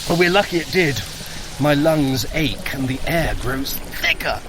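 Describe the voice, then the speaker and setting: An actor playing a sly, clever trickster god in an audio drama, with a wry, theatrical, condescending manner. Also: male voice, a little high, measured pace, background noise, natural voice. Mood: urgent.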